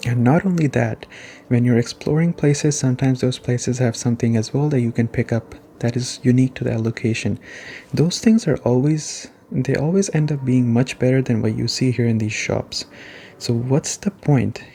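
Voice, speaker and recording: A man giving a soft-spoken ASMR gaming review, talking conversationally and repeating his points for emphasis. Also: mid-range voice, normal speed, vocal fry, slight background noise. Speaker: game reviewer.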